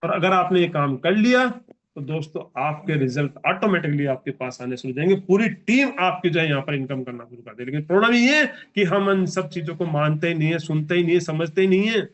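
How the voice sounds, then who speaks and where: A man's voice: fairly high pitch, animated, fairly quick, a bit bright, highs cut off. A man in his forties giving a motivational business training speech, emphatic and repetitive as he exhorts the audience. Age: 40s.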